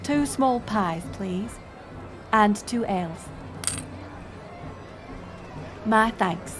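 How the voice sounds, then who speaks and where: A woman's voice: mid-range voice, over music, natural voice. A woman playing a playful, curious village woman in a romantic audio roleplay, speaking in archaic thee-and-thou English. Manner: archaic thee-and-thou speech, slow and musing. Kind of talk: romantic audio roleplay acting addressed to the listener.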